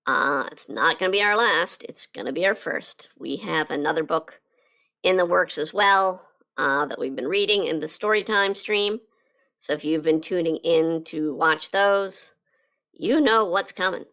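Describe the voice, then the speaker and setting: A woman chatting casually on a live drawing stream, her voice slightly hoarse from being sick, rambling with lots of fillers and restarts. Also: on the low side, unhurried, fairly bright tone. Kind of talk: casual chat while drawing.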